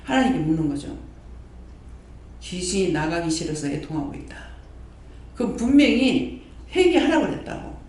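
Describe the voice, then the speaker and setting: A male pastor delivers a sermon, his high voice leaping up and down as he repeats phrases and fires questions at his listeners. He is recorded from far off in a very echoey prayer hall. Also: normal speed, long pauses. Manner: animated preaching, repeats phrases, quizzes the congregation.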